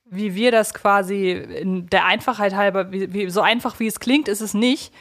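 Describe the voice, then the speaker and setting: A woman's voice: mid-range voice, moderate pace. A woman co-hosting a podcast, talking in a conversational, thoughtful way and often searching for her words. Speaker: podcast co-host.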